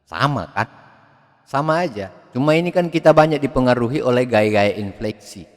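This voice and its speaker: A man giving a video lecture on public speaking, expressive, swinging his pitch and loudness to demonstrate. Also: moderate pace. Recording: long hall reverb.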